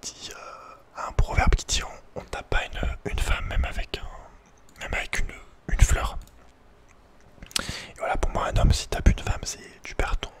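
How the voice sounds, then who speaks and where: A man whispering in a breathy, unvoiced voice, chatting informally and hesitantly in ASMR style. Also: measured pace. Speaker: ASMR video creator. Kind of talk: whispered ASMR, casual rambling chat.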